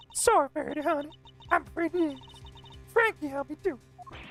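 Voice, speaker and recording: A high-pitched, put-on character voice talks at a very fast pace. Music plays in the background. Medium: game stream. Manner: gushing terms of endearment.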